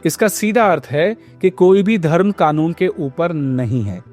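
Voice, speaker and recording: A man's voice: fairly high pitch, expressive, measured pace, a little mellow. A man narrating a scripted news report as a reporter, explaining and posing pointed questions. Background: background music.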